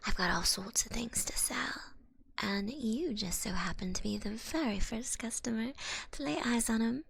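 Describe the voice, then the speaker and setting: A woman voicing a little old goblin swindler in an ASMR roleplay, with a breathy, gravelly voice and folksy, wheedling patter. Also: fairly high pitch, moderate pace, dry recording. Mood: coaxing. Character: cute little old goblin swindler, smooth-talking, slyly menacing.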